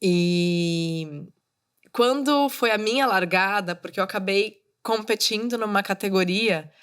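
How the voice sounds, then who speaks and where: A woman in her thirties hosts a solo motivational podcast, talking casually and coaching her listeners directly. Her medium-pitched voice is clear and resonant, delivered at a measured pace.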